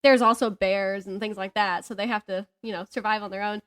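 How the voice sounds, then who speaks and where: A woman chatting casually as a podcast co-host, telling stories in an animated way and acting out what people said. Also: medium pitch, brisk. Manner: animated storyteller who acts out reported dialogue and jokes at herself. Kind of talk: casual chat, storytelling.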